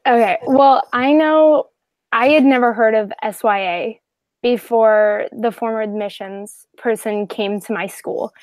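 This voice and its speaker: Teen girl, from Atlanta, earnest, a bit high, dry close sound. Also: measured pace, no room sound. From Atlanta, Georgia. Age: teens. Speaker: program alumna. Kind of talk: casual remote video call.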